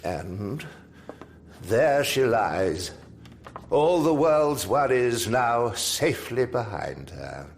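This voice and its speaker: An actor playing an elegant, sinister funeral director in an audio drama, with formal, unctuous manners and false sympathy. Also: male voice, medium pitch, big pitch swings, extremely slow, a little hiss or hum, heavily acted. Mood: solemn, unctuous. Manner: unctuous, formal, ornate phrasing.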